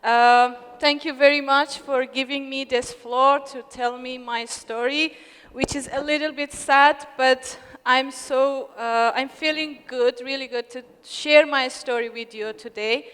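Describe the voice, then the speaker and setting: A young woman from Afghanistan giving an earnest, emotional speech at a ceremony, often halting and restarting her words. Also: sits high, steady tone, fairly bright tone, smooth. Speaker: scholarship recipient speaker. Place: hotel ballroom. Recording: long reverb of a large hall.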